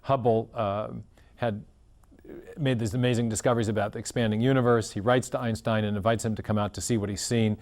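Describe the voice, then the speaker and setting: A man's voice: lowish voice, steady tone, brisk, darkish tone. A man as an interview guest, explaining in an earnest, storytelling way and often restarting his phrases. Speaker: guest scholar.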